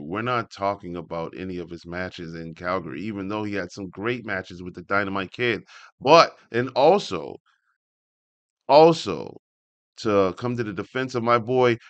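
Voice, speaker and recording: A man with a fairly low voice reads aloud and comments as he goes, in a casual, off-the-cuff way. He often interrupts himself with animated asides. The sound is dry and close, with very little room in it. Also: no room sound. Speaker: host reading a wrestling article aloud with commentary. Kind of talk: casual read-along commentary.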